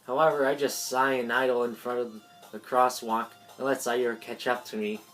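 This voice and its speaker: With a bass voice and a level tone, this woman reads a visual novel aloud at normal speed over soft background music. She is a video creator doing amateur narration with asides, stumbling on lines and fixing her mistakes.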